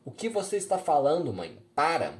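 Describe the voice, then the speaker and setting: Man playing a young woman, about twenty, distressed, pleading, higher voice, novel reading. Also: big pitch swings, brisk, darkish tone. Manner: pleading and crying out.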